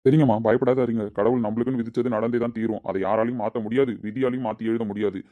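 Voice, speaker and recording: A man voicing a calm male temple astrologer who reassures a worried family in an amateur audio drama. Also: mid-range voice, racing, narrow, tinny audio, natural voice. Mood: reassuring. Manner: soothing, reassuring.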